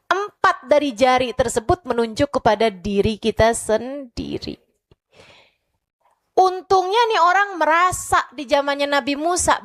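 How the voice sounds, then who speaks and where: Lively woman preacher telling stories. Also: high-pitched. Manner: lively storytelling, acts out voices of the people in her stories. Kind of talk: sermon to young women.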